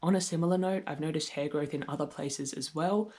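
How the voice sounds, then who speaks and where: A young trans man, early in his transition with his voice starting to deepen, speaking candidly and reflectively in a personal video diary with touches of gentle humor. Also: brisk, slightly rough. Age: young adult. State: voice deepening on testosterone. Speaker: vlogger.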